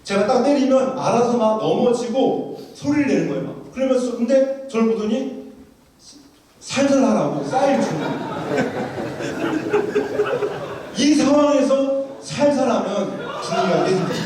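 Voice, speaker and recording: A man's voice: very high-pitched, sing-song, normal speed, pauses often, a little mellow, a little hiss or hum. A man preaching a sermon, telling a story vividly and acting out the lines of the people in it. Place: large church sanctuary. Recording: echoey church hall, voice from far off.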